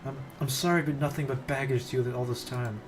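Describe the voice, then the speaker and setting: A man's voice: mid-range voice, fairly even intonation, fast talker, natural voice. A man voicing a despairing teenage schoolgirl on a rooftop ledge, pleading and stumbling over the text, over background noise.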